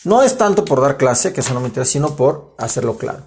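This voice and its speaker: Mexican male writer, relaxed animated explainer, casual livestream lesson with asides. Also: mid-range voice, fast, a little hiss or hum. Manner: animated, chatty, self-interrupting with asides to viewers. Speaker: writer giving a live grammar talk.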